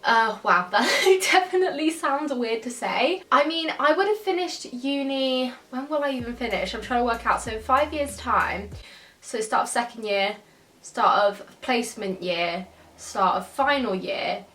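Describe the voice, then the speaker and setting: A twenty-year-old woman raised in Spain, a YouTuber, casually works through viewer questions, chatty and thinking aloud with the occasional laugh. Her voice is a little high, expressive, unhurried and fairly bright. She sits a bit off-mic at a distance in an echoey room with faint music.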